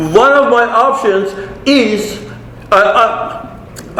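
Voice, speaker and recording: The recording has audible room echo and noticeable background noise. A man speaks at an extremely high pitch with fairly even intonation. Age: 70s. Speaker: resident speaking at public meeting. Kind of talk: public comment. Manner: halting, repeats words.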